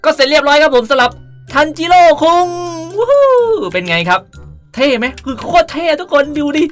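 A woman's voice: high-pitched, big pitch swings, a little fast, soft background music. A woman hosting a casual game tutorial, chatty and playful while staying polite to viewers. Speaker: gaming video host.

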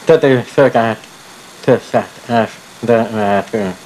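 A middle-aged man taking part in a study, repeating sentences and chatting in a slow, carefully articulated way. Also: medium pitch, a little mellow. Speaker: research participant. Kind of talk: repeating sentences and casual chat. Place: small lab room indoors. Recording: echoey room, faint tape hiss.

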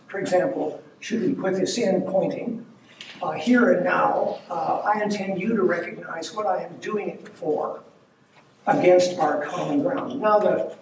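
An older man giving an academic lecture, unhurried and thinking aloud with frequent ums. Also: high voice, darkish tone, far from the mic, a little hiss or hum. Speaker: plenary speaker. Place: lecture hall. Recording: very echoey hall, mic heard from afar.

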